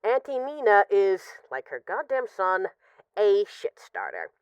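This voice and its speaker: A woman's voice: mid-range voice, wildly swooping pitch, clear, resonant tone, no room sound, lo-fi sound. A woman playing a possessive, lovesick mafia boss in an intimate, conversational audio roleplay of voicemails. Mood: wry, exasperated. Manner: conversational, teasing, halting when emotional.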